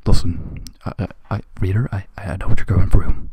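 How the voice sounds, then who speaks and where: A man hosting, confiding in viewers in a mock-earnest, stammering, breathy half-whisper. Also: sits low, steady tone, normal speed, mellow, a little hiss or hum. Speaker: host. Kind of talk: confiding comic aside to viewers.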